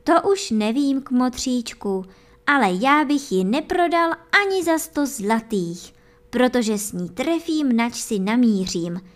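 A woman's voice: on the high side, very animated. A woman reading a fairy tale aloud, voicing a sly, cunning gamekeeper who teases and fools his neighbour. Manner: sly, teasing, mock-reluctant.

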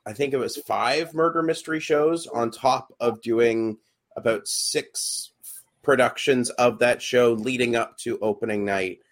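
A man's voice: medium pitch, a bit bright. A young adult man, a podcast co-host and actor, chatting casually and hesitantly with many fillers and restarts.

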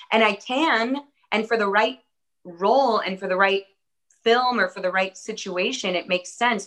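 A woman's voice: mid-range voice, fairly bright tone. A woman in her early thirties, an actress and interview guest, born in the US with Spanish as her first language, talking in a casual, earnest, optimistic way with frequent "um"s. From born in Atlanta, Georgia, US. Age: early 30s. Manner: upbeat, earnest, lots of "um" and "I think".

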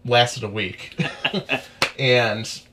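A young man, a guitarist guest, telling stories in a rambling, animated way during a casual interview. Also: medium pitch, very slow, noisy background. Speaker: musician guest.

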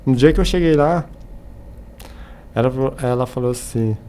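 A Brazilian man chatting casually as a podcast guest, telling anecdotes in an animated way and acting out the dialogue. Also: medium pitch, normal speed, smooth. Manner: animated retelling with acted-out dialogue.

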